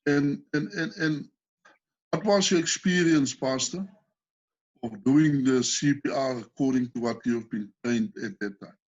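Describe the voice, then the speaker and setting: A South African man leads a first aid class over a call, patient and explanatory, often pausing to ask the group questions. His voice is husky and mid-pitched. The call audio is dull and lo-fi. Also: a little mellow. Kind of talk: online training session.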